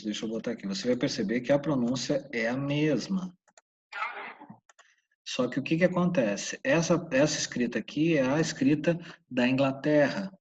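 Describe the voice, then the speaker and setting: A man from Santa Catarina, Brazil, with a Brazilian Portuguese accent, teaching a casual English lesson and repeating the English words slowly, in a husky voice. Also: medium pitch, a little mellow. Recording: dull, distant room mic.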